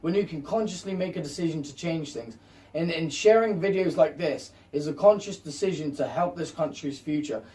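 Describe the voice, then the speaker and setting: A man's voice: on the high side, normal speed, dark tone, far from the mic. A man hosting a video with an insistent, repetitive, impassioned unscripted appeal to viewers. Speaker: video host.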